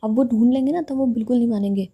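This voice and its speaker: A woman's voice: fairly high pitch, very fast, breathy edge, highs cut off. A woman voicing a curious young woman in love who keeps pestering her girlfriend with questions in a told love story. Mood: pleading. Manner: pleading, pestering.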